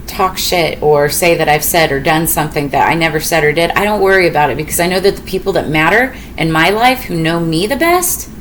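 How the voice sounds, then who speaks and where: Chatty woman in her thirties, low voice. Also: slight background noise. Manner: chatty, rambling, frank. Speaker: tarot reader. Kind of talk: casual storytelling to camera.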